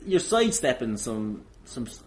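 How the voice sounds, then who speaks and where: A man's voice: mid-range voice, big pitch swings, normal speed. A man hosting a wrestling podcast, arguing indignantly and comically with plenty of swearing. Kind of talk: improvised comedic argument on a podcast.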